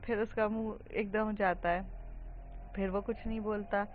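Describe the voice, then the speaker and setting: A woman's voice: medium pitch, flat delivery, normal speed, phone-quality sound, slight background noise. A young woman telling a school love story in a plain, conversational way. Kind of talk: casual story narration.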